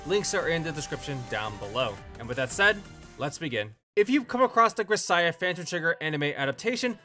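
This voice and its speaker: Male review host, high and bright voice, measured scripted narration, articulate. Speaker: host of a video review channel. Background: background music.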